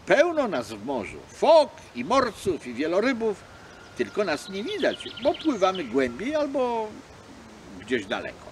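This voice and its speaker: A man voicing a large, unfriendly female seal who answers brusquely and booms when offended. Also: wildly swooping pitch, unhurried, slight background noise, exaggerated voice. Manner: brusque, booming. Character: big unfriendly female seal, proud and touchy.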